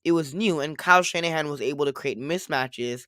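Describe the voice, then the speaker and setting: A man co-hosting a casual sports podcast, rambling and circling back to his points, a little hoarse after a cold. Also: a little high, brisk, sharp tone, dry recording, studio quality. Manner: rambling, repeats himself, quotes others. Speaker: podcast co-host.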